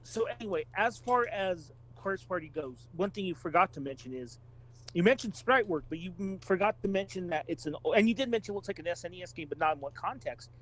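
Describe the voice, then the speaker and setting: A man's voice: high-pitched, expressive, fairly quick, a bit bright, poor audio. A man co-hosting a casual gaming podcast, speaking in an eager, conversational way with emphatic turns of phrase. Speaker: podcast co-host.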